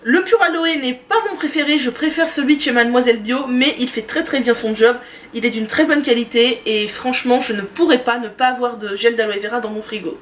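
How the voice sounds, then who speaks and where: A woman with a high voice talks through her favorite products in a chatty, enthusiastic vlog at home. She often pauses on small fillers as she goes. Her voice sounds set back from the microphone. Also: slight background noise. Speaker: beauty and lifestyle vlogger. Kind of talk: casual product review monologue. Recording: voice distant from the mic.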